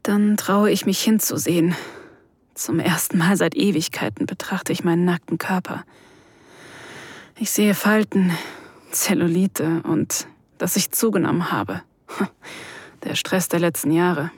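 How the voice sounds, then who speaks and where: A woman acting a shy, vulnerable mature woman, narrating an erotic audio drama softly and breathily, often sinking into a whisper. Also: on the low side, unhurried, slightly rough, no room sound.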